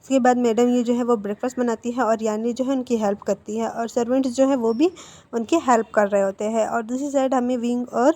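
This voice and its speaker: Warm, chatty woman retelling a story. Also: fairly high pitch, steady tone, brisk. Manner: chatty, with many fillers. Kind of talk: casual fan-fiction story retelling.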